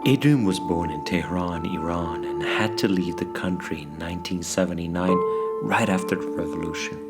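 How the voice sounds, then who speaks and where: A man narrates a documentary in a measured, explanatory way. His voice sits somewhat low. Loud music plays beneath him throughout. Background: loud background music.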